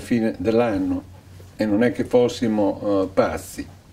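Ordinary pitch variation accompanies a fairly slow delivery. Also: man. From Rimini area, Romagna, Italy; Romagna, Italy. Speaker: cultural organizer, oral history interviewee; interviewee. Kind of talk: oral history interview. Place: home room.

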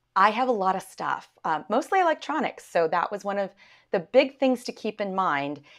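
Behind the woman talking, the background stays quiet. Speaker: vlogger on island living. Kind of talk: casual vlog chat. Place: home room. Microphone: lapel.

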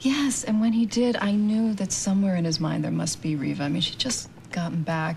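A woman speaks at a moderate pace with ordinary pitch variation while light background noise plays. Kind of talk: scripted drama dialogue. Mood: earnest, confiding about engagement. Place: studio.

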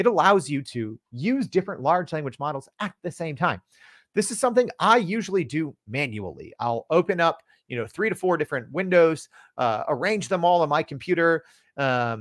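Recorded dry with no echo against a quiet background, a man speaks at a moderate pace with very wide pitch swings. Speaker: podcast host reviewing a tool. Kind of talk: tutorial.

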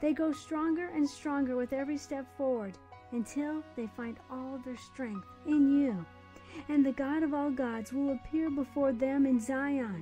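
A woman with an American accent speaks at a fairly slow pace in a high voice, her pitch varying in an ordinary way, with music playing in the background. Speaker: voice actor. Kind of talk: scripture reading. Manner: sincere, inspiring.

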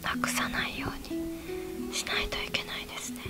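A woman's voice in a dry sound with no echo, over loud background music. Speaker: ASMR hobbyist. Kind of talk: casual ASMR chat. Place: home room. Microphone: handheld.

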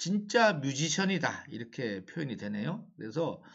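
This man's voice sits fairly high and swings very widely in pitch. He speaks at a very slow pace. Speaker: YouTuber. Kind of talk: news commentary. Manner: casual, halting with fillers.

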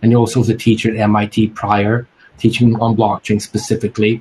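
Somewhat breathy and in a monotone, flat intonation, a man speaks over light background noise. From Sweden. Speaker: investment firm founder; panelist. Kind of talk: panel discussion. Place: home room. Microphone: video call.

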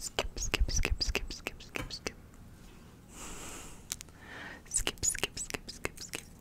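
A woman whispers, soft-spoken and playful in tone. Her pace is very slow. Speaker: ASMR creator. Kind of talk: soft-spoken ASMR chat. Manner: soft close whisper, repeated playful words. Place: home room. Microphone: studio mic.

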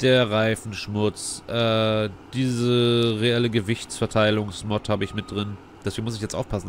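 This man's voice sits fairly low in pitch and stays monotone, with flat intonation. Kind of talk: casual let's play commentary.

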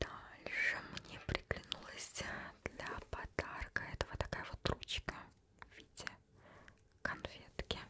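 Whispering and soft-spoken, a woman speaks at a very slow pace with long, frequent pauses over light background noise. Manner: soft ASMR whisper.

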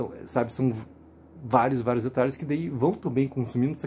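Talking at a very fast pace, a man has a dark, mellow tone and sounds somewhat breathy. Light background noise is present. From Brazil. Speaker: YouTube TV-series commentator; TV series commentator. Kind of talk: casual video commentary. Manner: animated. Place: home room.

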